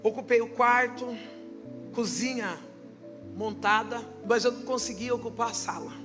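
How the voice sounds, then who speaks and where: A woman pastor preaching a sermon with passion, often swelling into shouts. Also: fairly high pitch, moderate pace, over music.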